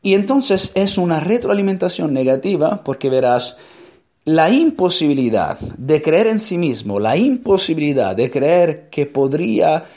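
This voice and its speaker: A man's voice: a little high, big pitch swings, a little slow, darkish tone. A man with an Italian accent, a native Italian speaker, giving an emphatic motivational talk full of rhetorical questions.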